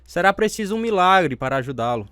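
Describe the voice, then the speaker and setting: Radio drama doctor, Brazilian accent, higher-pitched, sober and formal, very dry sound. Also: male voice, very animated, quick pace, a bit bright, clear, resonant tone, no room sound. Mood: grave. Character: grave, matter-of-fact male family doctor. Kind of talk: dramatized radio story acting.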